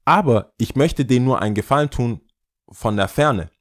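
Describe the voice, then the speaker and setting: A man chats on a podcast with lively, animated storytelling, pitched at a medium height. He keeps slipping English slang into his talk, loose and relaxed. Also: moderate pace. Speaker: podcast guest. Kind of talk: casual storytelling chat.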